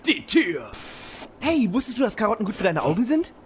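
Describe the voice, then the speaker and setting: A man voicing an excitable, absurd cartoon stick figure in a sing-song, blurting manner. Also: sits high, brisk, background noise. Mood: goofy.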